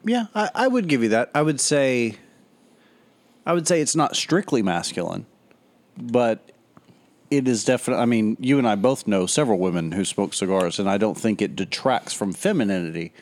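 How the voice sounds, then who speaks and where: A man in his early thirties co-hosting a podcast, talking in a measured, thoughtful, dry way. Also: medium pitch, lively intonation. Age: 30s. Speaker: podcast co-host. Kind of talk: casual chat.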